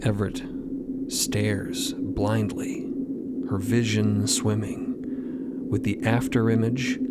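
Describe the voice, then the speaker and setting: A man's voice: fairly low pitch, level tone, slow pace, heavy background noise. A man narrating an audio fiction story in a dramatic storytelling style. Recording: loud music behind.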